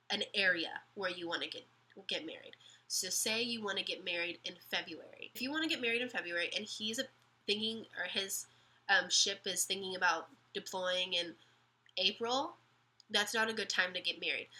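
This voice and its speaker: A young woman vlogging casual advice, sick and slightly raspy, chatty with lots of ums and restarts. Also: mid-range voice, bright, forceful tone, poor audio.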